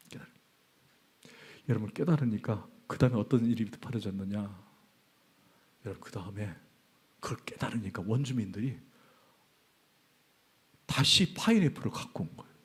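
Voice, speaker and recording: A middle-aged male pastor preaching a sermon, telling an animated story and acting out the quoted dialogue. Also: medium pitch, breathy edge.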